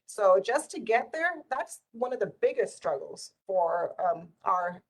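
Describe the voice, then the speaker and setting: A middle-aged woman who grew up speaking Spanish talks in a relaxed, conversational storytelling style. She has a medium-pitched voice and retells exchanges by quoting them in an animated manner. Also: unhurried. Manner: animated retelling with quoted dialogue. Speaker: community volunteer sharing life stories.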